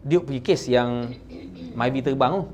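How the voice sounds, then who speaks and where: A man speaking with a Malaysian accent gives a sales training talk to insurance agents in a mid-range voice at normal speed. He mixes English terms into his Malay, uses lively emphasis, and frequently asks "kan?"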